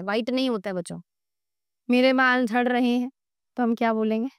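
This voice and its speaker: A woman teaches English grammar to a class. Her voice sits high and sounds smooth and clear. It is recorded close and dry, with no room sound. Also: a bit bright, no room sound. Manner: asks the class questions, then answers them slowly. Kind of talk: classroom-style grammar lesson.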